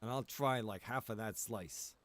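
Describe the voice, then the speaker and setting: A man's voice: fairly low pitch, normal speed, a bit bright, natural voice. A man playing a mild-mannered, easygoing survivor who makes hesitant small talk in an improvised online game roleplay. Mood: mildly curious.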